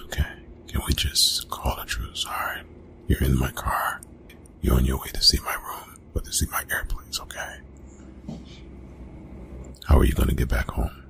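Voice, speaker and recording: A man playing a gruff, reluctant young college bully in an ASMR roleplay, talking in a hushed, halting, casual way. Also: very deep voice, huge pitch swings, heavily acted. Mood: exasperated, hushed. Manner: hushed, halting, casual, often breathy whispering. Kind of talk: ASMR roleplay, intimate one-sided dialogue.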